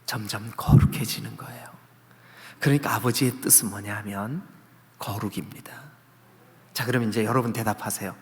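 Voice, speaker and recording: A man's voice: lowish voice, fairly even intonation, brisk. A male pastor preaching a sermon, asking the congregation questions and acting out the voices he quotes. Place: church sanctuary. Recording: church hall with long reverb.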